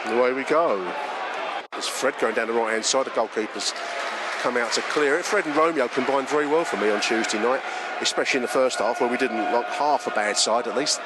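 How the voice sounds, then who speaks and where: A man's voice: mid-range voice, a little fast. A man, nasal from a cold, giving rambling, sardonic fan commentary on a match. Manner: rambling, sardonic, frequent ums. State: nasal with a cold and sore throat. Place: outside a football stadium. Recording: noisy outdoor stadium recording. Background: stadium and street noise.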